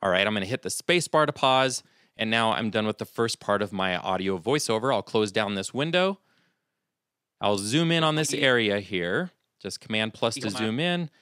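A middle-aged man hosting a software tutorial, calmly walking through each step at his computer. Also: lowish voice, moderate pace, clean tone, no room sound, clean studio sound. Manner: calm step-by-step explaining. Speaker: video tutorial host. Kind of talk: screen-recorded software tutorial.

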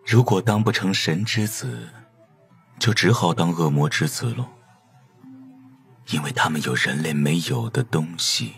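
An enigmatic audio drama stranger with a low voice that swings widely in pitch. He is sly and knowing and takes his time over every teasing line. Faint music plays underneath. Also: expressive, vocal fry, full character voice. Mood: mysterious, soothing. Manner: slow, teasing, cryptic. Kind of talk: Chinese audio drama acting. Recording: music behind the voice.

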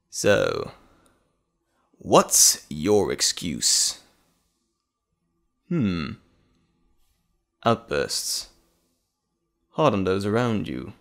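A man playing a menacing, teasing monstrous alter ego in a dramatic audio roleplay, theatrical and mocking, drawling with dramatic pauses. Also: on the low side, creaky, exaggerated voice.

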